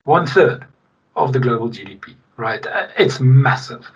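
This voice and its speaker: Man, South African accent, husky, emphatic, conversational interview guest, distant mic, slightly muffled recording. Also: medium pitch, animated, unhurried. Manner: emphatic, repeats key points for weight. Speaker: podcast guest, logistics technology executive.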